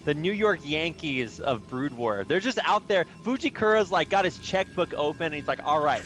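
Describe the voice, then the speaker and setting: A man's voice: a little high, expressive, moderate pace, a bit bright, soft background music, low-quality recording. A young man casting an esports match, chatty and rambling, with lots of fillers. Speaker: esports caster. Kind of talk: play-by-play commentary.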